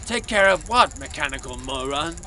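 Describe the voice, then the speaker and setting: An actor playing a sneering, aggressive wheeled soldier creature, taunting theatrically in an audio drama. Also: male voice, a little high, animated, moderate pace, sharp tone, slight background noise. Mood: sneering, threatening. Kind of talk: scripted audio drama acting.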